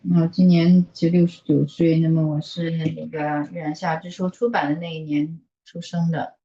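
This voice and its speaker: On a muffled, echoey call, a native Mandarin-speaking woman interprets in short, halting phrases. Her voice is mellow and relaxed as she searches for words. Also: deep voice. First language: Mandarin Chinese. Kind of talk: consecutive interpreting in informal talk.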